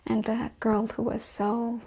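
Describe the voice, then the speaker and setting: A woman from Russia speaking softly as an ASMR host in a sassy, emphatic rant, her breathy voice often slipping into a whisper. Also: a little high, completely flat delivery, a little slow. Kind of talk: softly spoken ASMR chit-chat film rant.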